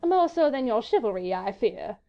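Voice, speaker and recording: A witty noblewoman from a storybook, coquettish and sarcastic, her voice pitched up high and bright with mischief, read by a woman. She teases in an arch, old-fashioned way. The sound is slightly dull. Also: big pitch swings, a little fast.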